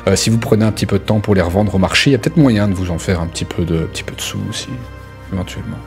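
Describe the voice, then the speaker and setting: A man narrates a tabletop role-playing game as game master, conversational and halting as he searches for words. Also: deep voice, faint music behind.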